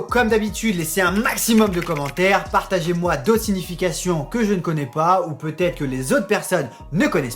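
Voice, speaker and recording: A man hosting a tattoo vlog, explaining in a chatty, joking way and talking straight to his viewers. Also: on the high side. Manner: chatty, addresses viewers directly, joking asides. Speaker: tattoo YouTuber.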